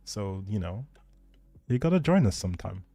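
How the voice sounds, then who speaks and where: A man's voice: fairly low pitch, sing-song, normal speed, warm tone, no room sound. A man chatting casually with viewers as a live game streamer, in a laid-back, informal and reassuring way. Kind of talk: casual livestream chat with viewers.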